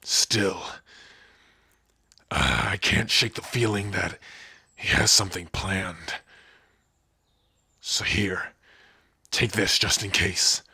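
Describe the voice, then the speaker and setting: Man voicing a husky, gruff orc warrior. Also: deep voice, slow pace, pauses often, sharp tone, no room sound, clean studio sound, exaggerated voice. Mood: wary, protective. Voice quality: raspy, husky. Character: gruff, protective young male orc warrior, devoted to spouse. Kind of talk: ASMR roleplay acting.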